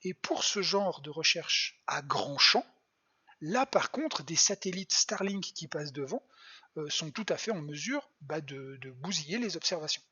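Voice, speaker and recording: A bright, forceful voice with a husky edge, explaining astronomy at a patient pace for young viewers. The talk is full of hesitant fillers and quiet asides muttered while working the screen. It comes through a dull, lo-fi home stream. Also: medium pitch, animated, unhurried. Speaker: planetarium science educator. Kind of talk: live online astronomy demo for kids.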